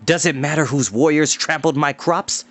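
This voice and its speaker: A man's voice: medium pitch, normal speed, natural voice. A man reading a storybook aloud and voicing a bitter, ruined farmer who pleads and accuses.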